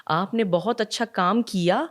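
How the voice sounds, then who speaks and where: A middle-aged woman from Pakistan, a communication trainer, talking in an animated, story-driven way and slipping English phrases in. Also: mid-range voice. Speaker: communication trainer and guest speaker. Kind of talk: conversational podcast interview.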